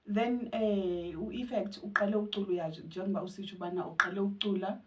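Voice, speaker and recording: A woman's voice: mid-range voice, fairly even intonation, fairly quick, recorded from a distance, very noisy. Female interviewer, casual prompts, sits back from the mic. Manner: conversational, short prompts. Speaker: interview host.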